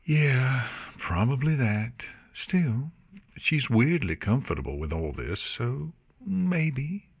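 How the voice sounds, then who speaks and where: A man's voice: medium pitch, sing-song, takes it slowly, gravelly, husky, phone-quality sound, voice pushed up, full character voice. A man voicing a cheeky, chatty young female pony paladin in a fantasy audiobook, flippant and awkward. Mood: teasing, musing.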